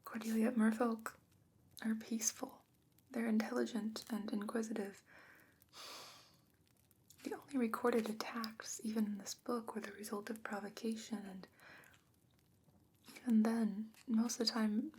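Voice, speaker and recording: Whispering, even-toned fantasy scholar played by a woman. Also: on the high side, a little hiss or hum, natural voice. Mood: gently firm. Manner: hushed, measured, explaining patiently. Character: gentle, scholarly fantasy woman, patient defender of merfolk. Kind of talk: soft-spoken whispered ASMR fantasy roleplay.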